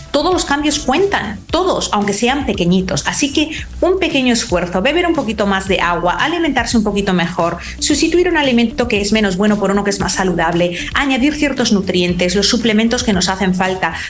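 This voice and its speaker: The speaker talks at a fairly quick pace with hardly any pauses, the pitch swinging very widely while the loudness stays very even, with noticeable background noise and audible room echo. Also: woman, fairly high pitch for a woman. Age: 40s. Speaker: naturopathic doctor. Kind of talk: casual chat.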